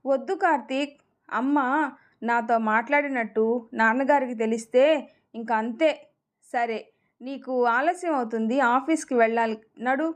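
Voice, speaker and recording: A woman's voice: high-pitched, normal speed, long pauses, close to an everyday voice. Woman voicing a shy young wife. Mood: gentle. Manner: bashful, gentle.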